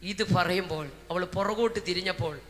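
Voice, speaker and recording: A woman from Kerala preaching a Pentecostal sermon, moving between shouted speaking in tongues and soft storytelling, with praise words dropped between her phrases. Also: lowish voice, normal speed. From Kerala, India. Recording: reverberant hall with music behind.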